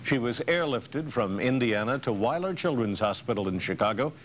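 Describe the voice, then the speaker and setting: An old, noisy 1990s television newscast tape carries an American man's scripted news narration. His voice is medium in pitch, expressive, and moderately paced.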